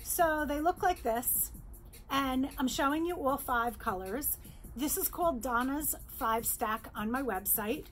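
A middle-aged jewelry designer from New York presents her bracelets close to the camera in her indoor showroom lined with jewelry displays. It's a virtual trade show product presentation, delivered as a bright, upbeat, chatty sales pitch as she holds up pieces. She speaks unhurriedly, with faint music in the background.

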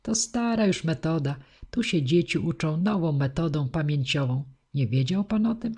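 A woman's voice: deep voice, lively intonation, moderate pace, vocal fry, husky, exaggerated voice. Patient kindly teacher, read by a woman. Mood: patient explaining. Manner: explaining gently and patiently. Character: patient female teacher of deaf children, kindly.

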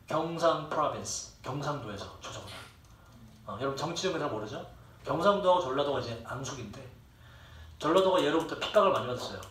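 A young male teacher gives a loose classroom lecture, rambling off on tangents and swearing as he jokes with students. His voice sits a bit high. He sounds far from the mic in a roomy, echoing classroom with a faint hum of ambience behind him. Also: a bit bright. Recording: echoey room, distant mic, faint ambience.

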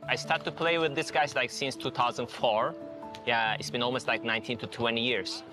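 A man's voice: mid-range voice, fairly even intonation, a little fast, music in the background. A man in his forties with a Turkish accent, casually explaining things in an interview. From Turkey. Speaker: restaurant owner interviewed for documentary.

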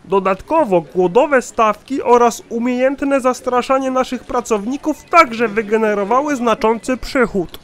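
A man's voice: extremely high pitch, unhurried, hardly any pauses. A man voicing a shady, dim-witted chief accountant in a satirical cartoon, officious and formal. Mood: proud, officious.

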